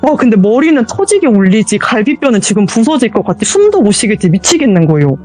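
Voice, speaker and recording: Woman, true ghost story, animated storytelling, lively pitch, faint music behind. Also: fast talker. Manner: vivid storytelling, acts out quoted voices. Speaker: guest storyteller.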